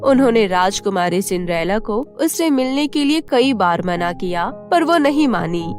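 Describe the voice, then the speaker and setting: A woman storyteller reading a scripted children's tale as narration. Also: mid-range voice. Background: faint music.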